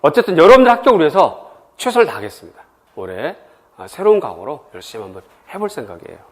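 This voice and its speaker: A man's voice: a little high, fast. A middle-aged man from Seoul giving an exam prep info session, chatty and full of personal stories. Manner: lively, chatty, tells personal anecdotes. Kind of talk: admissions info session lecture.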